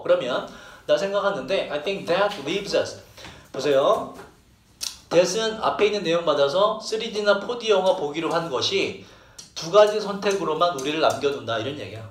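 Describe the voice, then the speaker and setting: Korean male teacher, echoey and distant. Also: fairly high pitch. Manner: explains English phrases in Korean and repeats key words. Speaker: English teacher. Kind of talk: exam listening lesson. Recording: echoey room, distant mic, faint hiss.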